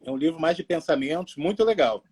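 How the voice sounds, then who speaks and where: A man from Rio with a Carioca accent, an author talking about his books in a casual livestream interview, friendly and relaxed. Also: fairly high pitch, quick pace, breathy edge. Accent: Carioca Brazilian Portuguese. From Rio de Janeiro, Brazil. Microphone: phone livestream.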